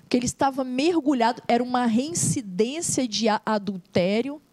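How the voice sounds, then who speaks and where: A middle-aged Brazilian woman co-hosts a gospel TV interview, her voice sitting a little high. She speaks emotively, like a preacher, and slows down to stretch the words she wants to stress. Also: a little mellow. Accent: Brazilian Portuguese. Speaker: missionary and co-host interviewing a pastor.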